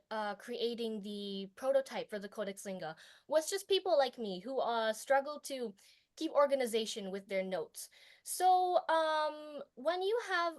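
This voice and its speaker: A young teenage girl with a fairly high voice speaks to a competition panel. She recites her prepared pitch, then fields questions with earnest pauses and fillers. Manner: delivers a memorized pitch, then answers judges with hesitant fillers. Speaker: student presenter.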